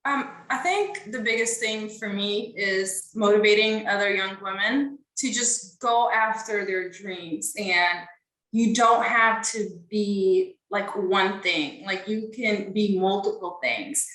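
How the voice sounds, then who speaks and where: A woman's voice: mid-range voice, slow, fairly bright tone, echoey room, poor audio. A young woman from Ethiopia, a podcast guest, answering interview questions in an earnest, casual way with frequent fillers.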